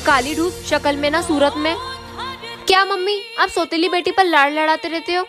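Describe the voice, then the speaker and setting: Woman as a spoiled mean older sister, bossy and scornful, high voice, music under it. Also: steady tone, normal speed.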